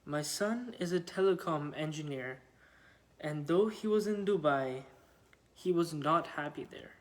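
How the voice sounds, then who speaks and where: A man reads a devotional testimony aloud at a very slow pace. His voice sits a little high for a man, and his phrasing is measured and somewhat halting. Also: animated. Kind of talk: slow read-aloud of a written devotional account.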